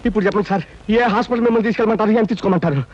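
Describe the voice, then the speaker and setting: A crafty palm reader who flatters everyone in a high, quick voice. The film soundtrack is dull, with faint music under it. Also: male voice. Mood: pleading. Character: sly male palm reader, then fawning rich driver. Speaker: film actor. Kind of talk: film comedy dialogue.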